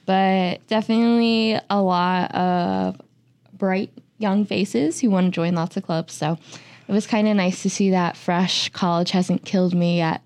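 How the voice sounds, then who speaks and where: Young woman, chatty college radio co-host, quick to laugh. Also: fairly low pitch, fairly even intonation, darkish tone, smooth. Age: young adult. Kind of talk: college radio talk show.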